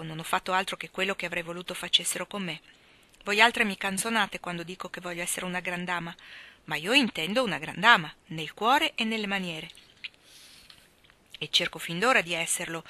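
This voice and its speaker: A woman's voice: lowish voice, pushed and bright, no room sound. Woman voicing an earnest, well-mannered young girl. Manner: earnest, sincere. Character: earnest young girl who wants to be a lady.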